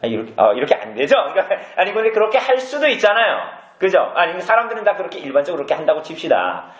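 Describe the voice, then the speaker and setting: A pastor preaching a conversational sermon, often putting questions to the congregation. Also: male voice, high-pitched, very animated, rapid-fire. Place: church hall. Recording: echoey, dull church recording.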